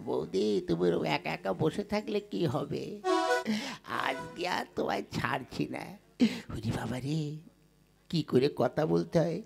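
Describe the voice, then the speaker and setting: A man playing a gullible, lecherous village lover in a folk puppet comedy, excitable and stumbling over words with eagerness. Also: on the high side, measured pace, gravelly, pauses often, faint music behind. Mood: excited, lustful.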